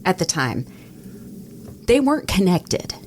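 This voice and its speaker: A woman with a slightly low voice tells stories in a casual, conversational way. She acts out the exchanges she remembers, like a podcast co-host swapping work stories. Faint noise sits behind her. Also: big pitch swings, slow pace. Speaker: radio personality and podcast co-host.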